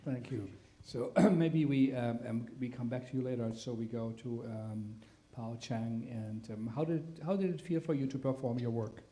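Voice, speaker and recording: Very dark-voiced man moderating a panel. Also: mid-range voice, normal speed, hardly any pauses. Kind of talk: unscripted panel questioning.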